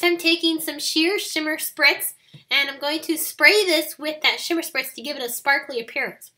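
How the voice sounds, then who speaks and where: A woman with a raspy, scratchy voice after being sick, recording a friendly step-by-step voiceover for a card-making tutorial. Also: sits high, pushed and bright. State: raspy voice from recent illness. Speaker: card-making video host.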